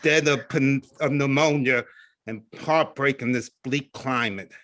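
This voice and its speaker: Actor as suffering man of thirty, brooding, bitter, mid-pitched voice, tender brother, stage reading. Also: measured pace, fairly bright tone, no room sound, studio quality, close to an everyday voice. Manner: grave, brooding. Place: video call play reading.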